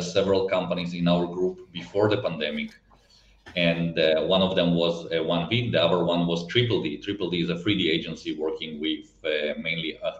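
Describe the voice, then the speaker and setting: A non-native English-speaking man with a foreign accent, explaining things conversationally and searching for words at times. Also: deep voice. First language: not English. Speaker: event technology company guest. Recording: roomy, slightly dull lo-fi sound.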